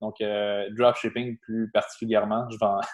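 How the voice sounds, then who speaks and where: Speaking fairly slowly in a medium pitch, a man has a slight Quebec accent. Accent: slight Québécois French. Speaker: entrepreneur, business coach. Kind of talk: podcast interview. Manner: casual, hesitant with fillers.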